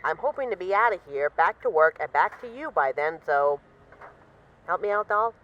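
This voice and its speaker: A woman acts out a female crime boss with a lively, swooping delivery. She is wry and boastful, teasing her partner fondly as in an intimate audio roleplay, and the sound is slightly dull. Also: on the low side, normal speed. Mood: affectionate, coaxing. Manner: wry, boastful, teasing, mock-indignant, swearing casually. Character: witty, self-assured female mafia boss, bored, affectionately teasing her partner.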